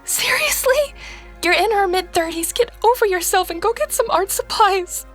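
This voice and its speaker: A sixteen-year-old girl in an audio drama, with a very high, youthful voice. She is earnest, idealistic and outspoken, pushing her point hard. Faint music sits behind her. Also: lively intonation, normal speed. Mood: indignant, urgent. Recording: music under the voice.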